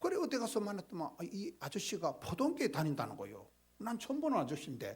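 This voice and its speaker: With a Gyeongsang accent, a man speaks high-pitched and animated at a very fast pace, his pitch swinging very widely. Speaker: pastor. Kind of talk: sermon.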